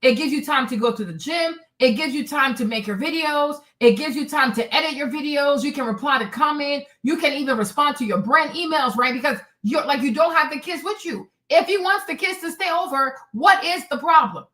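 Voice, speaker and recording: A woman's voice: high-pitched, a little fast, few pauses, sharp tone. Sassy, blunt woman commentator. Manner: blunt, sassy, addresses viewers as y'all. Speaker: commentary vlogger reacting to a clip. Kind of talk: casual reaction commentary.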